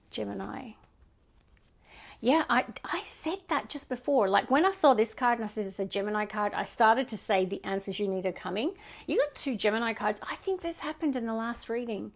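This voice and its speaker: A Scottish woman giving a chatty, reassuring tarot reading into a microphone. She is hoarse and losing her voice, and often stops to clear her throat. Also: mid-range voice. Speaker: tarot reader. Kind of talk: casual tarot reading to camera.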